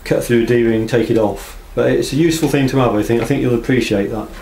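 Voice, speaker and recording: Steady and quick at a medium pitch, a man hesitantly presents his knife work with understatement in an unscripted, casual workshop show-and-tell. He's in a small block-walled shop, recorded on camera audio with noticeable background noise.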